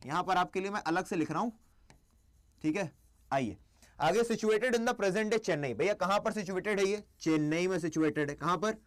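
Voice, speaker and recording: This is a young man teaching a class on a live stream, and his voice sits high and light. He chats easily, switches between Hindi and English, and quizzes the class aloud. He drops his pace to dictate the important points. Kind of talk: live-stream exam lesson.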